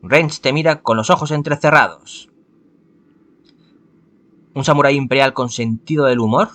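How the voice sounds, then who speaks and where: Reading a visual novel aloud at normal speed, a man from Spain uses a fairly bright, mid-range voice with a Spanish accent. He frequently stumbles and corrects himself, adding asides along the way.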